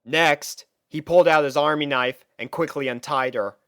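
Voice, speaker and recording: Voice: medium pitch, moderate pace, a bit bright, dry recording, clean studio sound. A narrator reading a story aloud from a script. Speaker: fan fiction reader and narrator.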